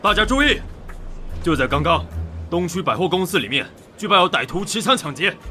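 An actor playing a firm, world-weary but caring police squad leader in a Taiwanese-accented audio drama. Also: male voice, high voice, very animated, fairly quick, sharp tone, faint music behind, exaggerated voice. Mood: urgent, commanding. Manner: authoritative, instructing subordinates. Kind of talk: Mandarin audio drama acting.

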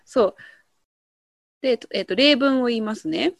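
A woman's voice: fairly high pitch, a little slow, creaky, dry recording. A woman with a Kansai Japanese accent co-hosting a podcast, casually explaining slang with examples and laughing often. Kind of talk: casual chat lesson.

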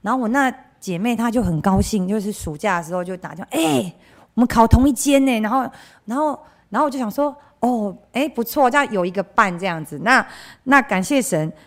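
A woman's voice: medium pitch, animated, fairly quick. A young woman from central Taiwan with a Taiwanese Mandarin accent gives a candid, chatty personal testimony at church. She often trails off with filler phrases and acts out the voices of people she quotes. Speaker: church member giving a testimony.

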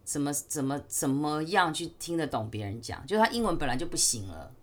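A woman's voice: sits low, expressive, fairly quick, crowd noise. A woman with a Taiwanese accent chatting casually as a co-host, putting questions and chiming in with agreement and summaries. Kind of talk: casual chat.

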